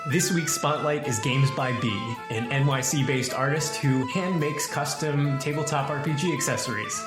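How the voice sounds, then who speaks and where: Roomy male voice over loud guitar. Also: medium pitch. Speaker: podcast cast member reading a sponsor spotlight. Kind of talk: scripted announcement.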